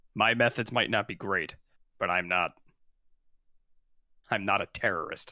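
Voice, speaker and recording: A man puts on a raspy character voice, fairly low in pitch, at a moderate pace with long, frequent pauses. The recording is very clean, with a silent background. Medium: actual play. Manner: terse, gruff.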